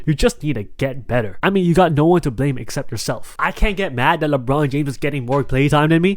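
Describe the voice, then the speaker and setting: Talking at a very fast pace with hardly any pauses, a man uses a fairly high pitch and lively intonation. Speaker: comedy video creator. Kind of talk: comedic commentary. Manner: theatrical, expressive delivery.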